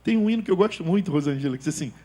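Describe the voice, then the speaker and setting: Older brazilian pastor, high voice, tells stories in his sermon, goes loud then quiet fast. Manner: animated, jumps between loud outbursts and hushed asides. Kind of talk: sermon with personal storytelling. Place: church.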